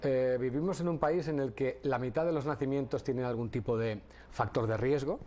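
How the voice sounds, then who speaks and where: A middle-aged man from Catalonia speaks as a guest on a television talk show. His pitch sits in an ordinary middle range. He explains things in a measured, patient way and sometimes restarts a phrase. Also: dark tone. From Catalonia, Spain. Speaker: audiologist guest. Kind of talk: TV interview.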